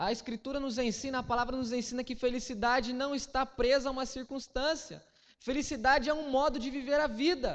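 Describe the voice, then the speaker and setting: Moving at a fairly quick pace, a man talks at an extremely high pitch with fairly even intonation. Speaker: preacher. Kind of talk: sermon.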